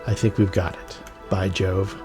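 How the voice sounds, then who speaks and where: A man's voice: sits low, little pitch movement, unhurried. A man giving casual gameplay commentary, muttering to himself and swearing freely. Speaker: gaming channel host. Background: music behind the voice.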